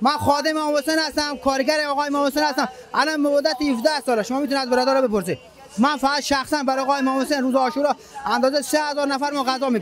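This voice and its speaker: Extremely high-pitched man at a very fast pace, with fairly even intonation, a dry sound with no echo and light background noise. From Afghanistan, Farah province. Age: 40s. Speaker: pilgrim, volunteer cook; interviewee. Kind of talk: emotional vox-pop interview. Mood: emotional, grateful. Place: street. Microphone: handheld.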